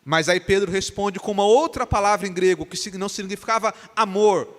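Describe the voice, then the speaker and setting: A man from Brazil, a pastor, preaching an animated sermon in a church and acting out the dialogue of the story. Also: high-pitched, a little fast. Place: church sanctuary. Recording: long church reverb.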